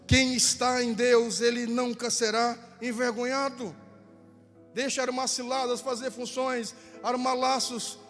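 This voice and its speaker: A man with a Brazilian Portuguese accent preaching a fervent Pentecostal sermon in a church, repeating phrases and rising to shouts. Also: very high voice, flat delivery, a little slow. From southern Brazil. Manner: fervent, repetitive, rises to shouting. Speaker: pastor. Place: church sanctuary. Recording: church hall with long reverb, faint music.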